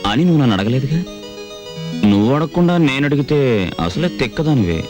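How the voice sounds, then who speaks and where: An actor playing an excitable, teasing young man in a film, talking in a lively, playful way. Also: mid-range voice, fast, natural voice. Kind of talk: dubbed film dialogue. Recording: film soundtrack with background music.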